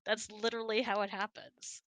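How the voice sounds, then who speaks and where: Bright-voiced woman chatting casually. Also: medium pitch, little pitch movement, moderate pace, no echo. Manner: chatty, self-deprecating, thinks aloud. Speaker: host of an online hangout. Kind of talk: casual chat answering audience questions. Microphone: close mic on an online voice chat.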